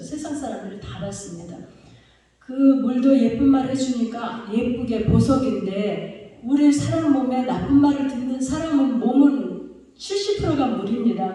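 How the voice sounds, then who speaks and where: A woman's voice: fairly high pitch, mellow. A woman pastor preaching a sermon, often putting questions to her congregation. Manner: asks the congregation rhetorical questions. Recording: echoey hall, voice from far off.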